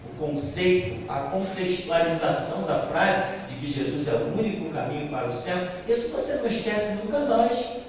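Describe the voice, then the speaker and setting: A man's voice: high voice, expressive, moderate pace, a little hiss or hum. Man preaching in an echoey hall. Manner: impassioned, acts out biblical dialogue. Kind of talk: sermon. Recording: echoey hall, distant mic.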